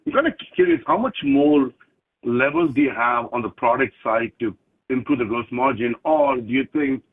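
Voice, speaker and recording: A man calling in as a financial analyst, asking questions on an earnings call. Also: mid-range voice. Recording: tinny, narrow phone line.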